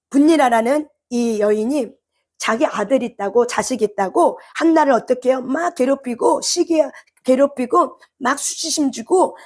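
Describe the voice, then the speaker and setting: Impassioned Korean woman preaching a sermon. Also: sits high. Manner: impassioned, rises to shouted cries when voicing prayer; asks the congregation rhetorical questions.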